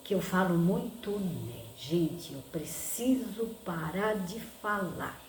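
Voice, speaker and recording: A woman's voice: fairly low pitch, animated, slow pace, reverberant, a little hiss or hum. A woman with a Brazilian Portuguese accent chatting casually to her viewers on a phone, full of fillers and "né?" tags. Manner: chatty, filler-heavy with frequent "né?"; says she talks loudly. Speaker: vlogger.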